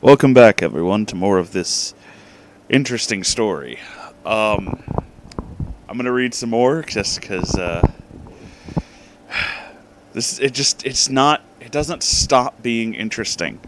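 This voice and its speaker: Low-pitched man reading aloud informally. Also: animated, slow pace, pauses often, a little hiss or hum. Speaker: host reading online stories aloud. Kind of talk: informal read-aloud with casual asides.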